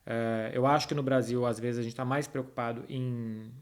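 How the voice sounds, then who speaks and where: A man's voice: medium pitch, fairly even intonation, normal speed. A man with a Brazilian Portuguese accent talking informally and directly to his audience as the host of a football chat. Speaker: host answering viewers' football questions. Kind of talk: casual chat to followers, football analysis.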